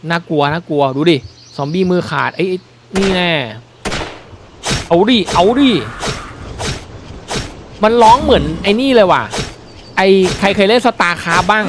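A young man casually commentating his mobile game play, chatty and excitable, with sudden startled shouts. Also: fairly high pitch, noisy background. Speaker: mobile game channel host. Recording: game music behind the voice.

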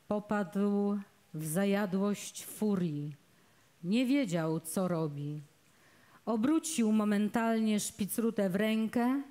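A woman, an actress, reading a novel aloud in a measured, dramatic storytelling manner, outdoors in a public garden. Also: medium pitch, warm tone. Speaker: reader, actress.

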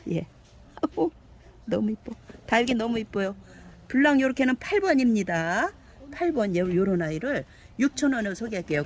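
A woman giving a cheerful live sales pitch for succulent plants, gushing and exclaiming over each one and chatting aloud to herself. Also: darkish tone, slight background noise. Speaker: succulent seller.

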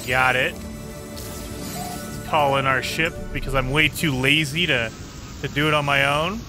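A man hosting a gaming channel, chatting casually through gameplay, his voice a bit raspy and hoarse today. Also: mid-range voice, fairly even intonation, a little slow, music in the background. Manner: chatty, talks to viewers while playing. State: slightly hoarse.

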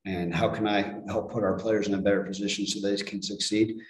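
Brief: middle-aged male coach, low steady voice, flat delivery, roomy press-room sound. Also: brisk. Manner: plain-spoken, repeats words when restarting. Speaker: head football coach. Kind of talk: post-game press conference.

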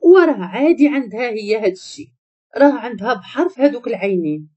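A woman's voice: fairly high pitch, animated, fast talker, dark tone, husky, dull audio. A woman with a Moroccan accent voicing a harsh, insulting young male boss who talks bluntly. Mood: curt, scornful.

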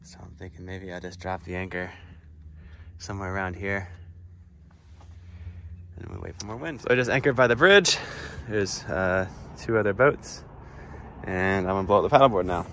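A man in his thirties vlogging casually from a small sailboat, thinking aloud in a relaxed, rambling way, filmed on a phone at arm's length outdoors. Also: low voice, normal speed. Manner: relaxed, thinking aloud, drifting between topics. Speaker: sailing vlogger. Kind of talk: casual vlog narration. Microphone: phone camera held at arm's length. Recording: wind and water noise.

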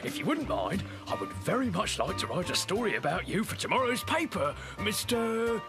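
A man's voice: high-pitched, very animated, moderate pace. A man voicing an eager, courteous newspaper reporter in a children's cartoon. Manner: enthusiastic, courteous. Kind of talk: animated children's cartoon acting. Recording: music under the voice.

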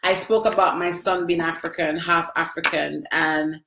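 A sniffly, chatty woman hosts a casual live video chat on a close-range webcam from a small, echoey room at home, emotional after crying and addressing viewers by name as she answers them. Her fairly low voice is gravelly, with fairly even intonation and a moderate pace, over background noise.

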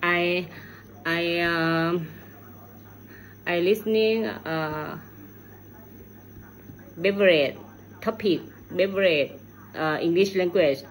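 A middle-aged Thai woman records an unscripted video message in a room at home, holding her phone at arm's length. She speaks hesitant learner's English with a Thai accent, searching for words in a lowish voice, slowly and with long pauses. The recording quality is low.

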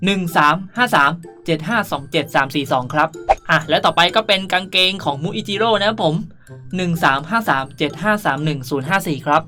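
A man's voice: high voice, animated, fast talker, pushed and bright, faint music behind. A young man hosting a casual game tutorial, rambling on in a playful, chatty way. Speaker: gaming channel host.

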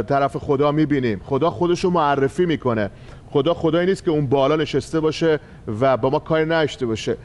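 A man with a somewhat high voice preaches a sermon as pastor. He teaches step by step from slides and repeats his key phrases for emphasis.

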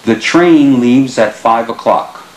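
A man reads short everyday sentences aloud in a plain, measured voice of ordinary pitch. The small lab room around him adds a clear echo. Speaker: researcher reading test sentences. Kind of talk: reading test sentences aloud. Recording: echoey room.

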